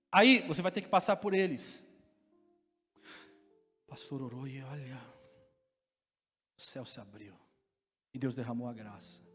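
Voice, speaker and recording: A Brazilian man preaching a sermon as pastor, with impassioned delivery that climbs to loud, emphatic peaks. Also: fairly high pitch, slightly rough. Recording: reverberant hall with faint music.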